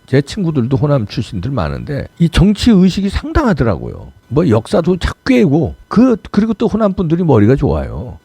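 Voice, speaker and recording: A man's voice: mid-range voice, warm tone, husky, dry recording. A middle-aged man from Seoul hosting fiery political commentary, pleading and scolding with mocking asides. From Seoul, South Korea. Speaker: political commentary channel host.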